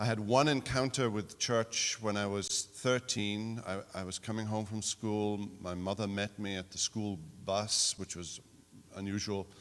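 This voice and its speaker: Speaking at a fairly slow pace, a man with a Welsh accent uses a fairly low pitch and fairly even intonation. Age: 60s. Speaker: pastor and theology professor. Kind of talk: personal testimony.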